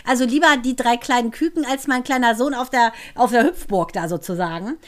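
A woman's voice: on the high side, brisk. A middle-aged woman co-hosting a podcast, telling anecdotes in casual chat and laughing as she talks. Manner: lively storyteller, laughs while talking. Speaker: podcast co-host.

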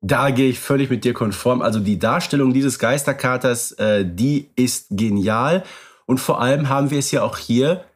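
A man's voice: medium pitch, moderate pace, husky. A man co-hosting a podcast, agreeable and matter-of-fact in casual chat. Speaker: podcast co-host.

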